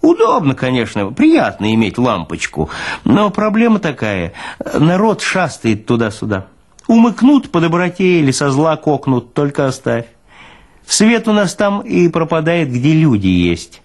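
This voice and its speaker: A man's voice: on the high side, wildly swooping pitch, a little slow, darkish tone, full character voice. A man voicing a burly, smirking senior morgue orderly in an audiobook, with a folksy, mocking, philosophizing way of talking. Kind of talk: dramatized audiobook character reading.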